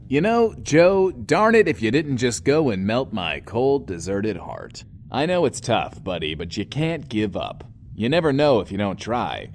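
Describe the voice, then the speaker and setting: An actor playing a smug but soft-hearted radio host, delivering a theatrical, self-loving monologue in an audio drama. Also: male voice, mid-range voice, big pitch swings, a little slow, a little hiss or hum. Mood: encouraging, pompous. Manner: pompous, theatrical, swooping emphasis. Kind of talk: in-world radio show monologue.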